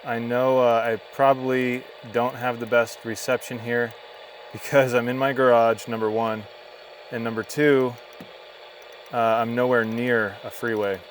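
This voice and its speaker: A man's voice: mid-range voice, flat delivery, a little slow, a little hiss or hum, low-quality recording. A man vlogging in a casual, chatty way, explaining things informally as he does a hands-on demo. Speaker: vlog host.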